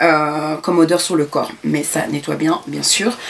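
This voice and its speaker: A woman speaks over noticeable background noise. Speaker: beauty vlogger. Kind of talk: product review vlog. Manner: fast; hesitant, many fillers.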